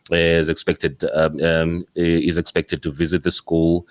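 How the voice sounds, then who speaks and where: A man's voice: sits low, flat delivery, a little slow. A South African man hosting a casual podcast discussion, talking in a rambling way with many fillers and restarts. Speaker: podcast host.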